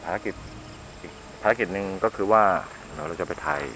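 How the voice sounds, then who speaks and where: A man with a fairly low voice gives fast instructions to his group, setting out what each of them should do. He is recorded outdoors at dusk, and the buzz of insects comes through clearly. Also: big pitch swings, poor audio. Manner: quick, directing others. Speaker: vlogger giving the group its tasks. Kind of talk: casual instructions to companions. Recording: outdoor camera audio with loud insect noise. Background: crickets and insects.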